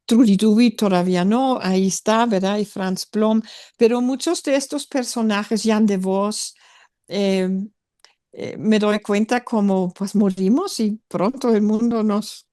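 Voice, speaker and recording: A woman's voice: mid-range voice, unhurried, dark tone, no room sound. Older German-born woman as an interviewed author, thoughtful and hesitant with many fillers, dry close recording. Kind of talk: reflective interview conversation.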